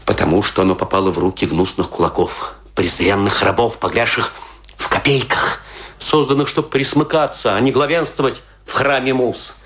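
An actor playing a boastful, aggrieved, tipsy provincial stage player, declaiming with grandiose self-pity and dramatic pauses in a radio play. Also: male voice, on the low side, fairly bright tone. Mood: indignant, declamatory. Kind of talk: theatrical radio play monologue.

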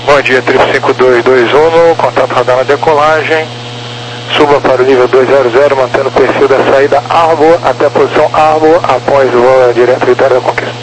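Medium-pitched man on noisy aviation radio. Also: fairly even intonation, fairly quick. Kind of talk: clipped air traffic radio exchanges. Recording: noisy crackly radio transmission with hum.

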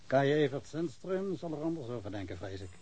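A man's voice: mid-range voice, big pitch swings, brisk, dark tone, slight background noise, natural voice. An actor in a radio drama playing a polite, reflective police inspector, dry and uneasy at his duty. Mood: musing. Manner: courteous, dry, musing.

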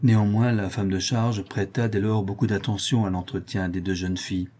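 A man narrating a classic novel as an audiobook, in a measured, low-key manner. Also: level tone, dark tone. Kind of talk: scripted narration.

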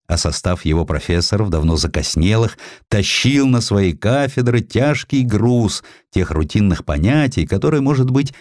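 A man reads a historical story as an audiobook narrator. His low voice moves in lively, theatrical swings with an ironic touch, captured close and dry. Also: no echo.

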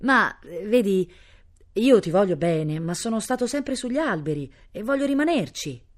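Woman as a gentle, stubborn young baron. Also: medium pitch, animated, moderate pace, voice pushed up, natural voice. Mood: hesitant, tender.

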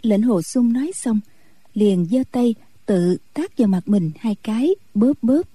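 Husky, dark-toned woman narrating a story. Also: fairly high pitch, expressive, measured pace, dry recording, rough recording. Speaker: audiobook narrator.

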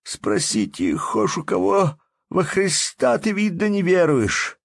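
A desperate old peasant, begging in a thin, sky-high voice. The tone is gravelly and husky, and he drags the words out slowly. It is a storybook reading, recorded dry and close. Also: big pitch swings, dry recording, full character voice. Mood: pleading. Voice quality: creaky, husky, high strained voice. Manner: wailing, begging, folksy speech. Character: desperate poor old peasant man, pleading.

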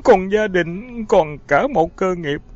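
A man's voice: fairly high pitch, sing-song, moderate pace, gravelly, mellow, slightly rough, voice pushed up, full character voice. A man voicing a terrified male butcher shop owner who stammers and pleads through tears. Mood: sobbing, pleading. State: crying. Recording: dull lo-fi audio, faint music.

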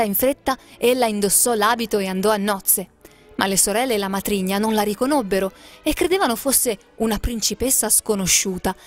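A woman narrating a fairy tale aloud in a lilting, expressive storybook manner. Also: medium pitch.

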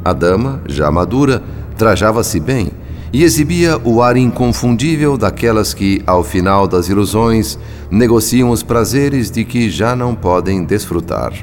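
A man's voice: lowish voice, lively intonation, a little slow, faint music behind. A man with a Brazilian accent playing a grave, watchful spirit who narrates a radio drama in literary, solemn style.

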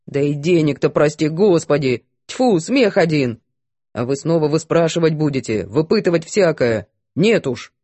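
A woman's voice: low-pitched, lively intonation, normal speed, mellow, dry recording, voice pushed down. A woman voicing a coarse, hot-tempered cook who scolds and snaps rudely. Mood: grumbling. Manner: rude, snapping, scolding.

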